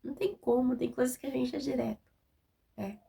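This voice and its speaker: A Brazilian-accented woman delivers a sermon in a plain, direct, conversational way, often checking in with her listeners. Her voice sits a little high, with a gravelly edge and a husky, rough texture. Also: fairly even intonation, a little fast, warm tone. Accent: Brazilian Portuguese. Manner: direct, informal, frequent tag questions. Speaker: preacher.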